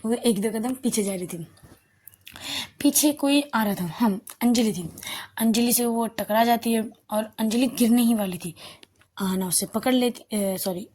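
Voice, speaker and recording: A woman's voice: a little high, measured pace, a little mellow. A young woman narrating a love story in a casual, chatty way, often correcting herself as she goes.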